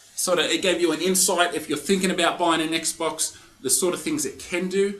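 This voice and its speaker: At a moderate pace, a man with an Australian accent speaks at a high pitch. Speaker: gaming video creator. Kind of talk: tutorial. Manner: hesitant, many fillers.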